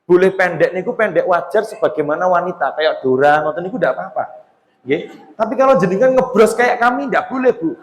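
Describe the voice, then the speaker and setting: High-voiced Javanese preacher in echoey hall. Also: male voice, fairly quick. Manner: chatty, joking, mixes Javanese into Indonesian, addresses women in the audience. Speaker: Islamic preacher. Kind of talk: humorous religious lecture. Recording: echoey hall with long reverb.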